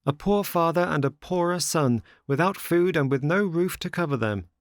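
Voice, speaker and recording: A man's voice: a little high, normal speed, no echo, studio quality, pitched above the performer's own voice, natural voice. A man voicing an earnest little boy marionette in a storybook reading, with an emphatic, declamatory way of speaking. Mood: hopeful. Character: earnest, grateful little boy marionette, scolding when wronged.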